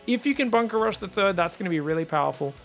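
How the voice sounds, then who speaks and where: A young man casting a strategy game live. His voice is high for a man with plenty of creak, and he talks casually and excitably to his viewers over music. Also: fast. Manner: animated, informal, addresses viewers as guys. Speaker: esports commentator.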